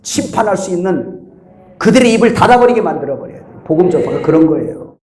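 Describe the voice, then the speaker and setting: A man preaching as pastor, telling stories with lively energy and acting out the voices of the people in them. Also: sits high, fast talker, roomy sound, slight background noise. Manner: animated storytelling, acting out quoted voices. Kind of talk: sermon.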